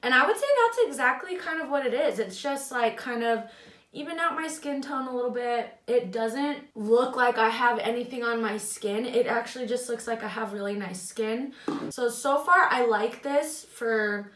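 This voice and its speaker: A woman in her twenties reviewing makeup in a casual, chatty way at home, her voice slightly raspy from the morning. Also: on the high side, moderate pace, fairly bright tone, reverberant, far from the mic. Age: 20s. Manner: chatty, filler-heavy, self-deprecating. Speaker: beauty vlogger.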